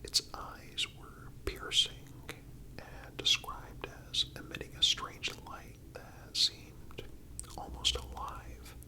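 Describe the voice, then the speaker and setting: Guy doing asmr storytelling all in whispers, really slow and deliberate, lots of pauses. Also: sharp tone, rough recording.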